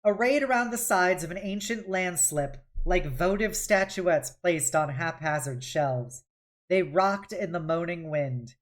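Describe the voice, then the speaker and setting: Low-voiced woman reading a novel aloud. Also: a little slow. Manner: dramatic, with occasional stumbles and self-corrections. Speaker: streamer hosting a read-along. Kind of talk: expressive audiobook-style novel reading.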